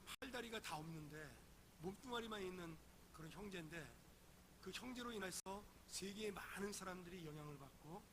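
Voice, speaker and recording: Hoarse high-voiced male preacher. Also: pushed and bright, slight background noise. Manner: storytelling with swells of emphasis. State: hoarse from a throat cold. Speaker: pastor. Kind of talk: sermon. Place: church sanctuary.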